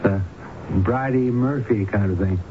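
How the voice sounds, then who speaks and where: A man playing a measured, probing doctor and hypnotist in a 1970s radio drama, speaking deliberately. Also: soft background music, lightly acted. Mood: musing. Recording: dull, noisy 1970s radio recording with rumble.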